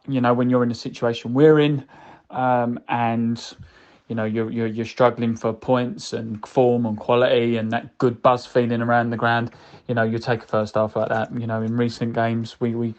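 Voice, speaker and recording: A man leaving a casual, rambling voice message of football reaction, addressing the listener directly. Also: medium pitch. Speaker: fan calling in with a voicemail. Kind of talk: casual match reaction monologue. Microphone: recorded voicemail message. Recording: dull lo-fi voice message.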